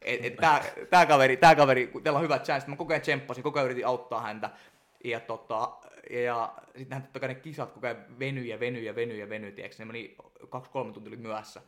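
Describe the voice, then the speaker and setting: A young man chatting casually as a guest, telling animated stories full of laughter and fillers. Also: medium pitch. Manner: animated storyteller, laughs often, many fillers. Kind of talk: casual chat.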